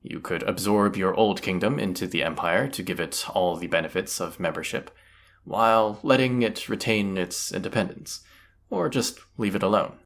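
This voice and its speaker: A man's voice: deep voice, moderate pace, vocal fry, a bit bright. A man playing a cocky, teasing, commanding bandit leader in a roleplay audio drama, casual and swaggering. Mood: persuasive, teasing. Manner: casual, teasing, swaggering, rhetorical tag questions.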